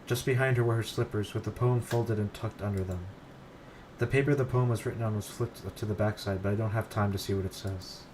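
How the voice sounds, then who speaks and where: A man's voice: lowish voice, fairly even intonation, fairly quick. A man streaming himself reading a visual novel aloud, breaking off into casual asides and swearing, over background noise.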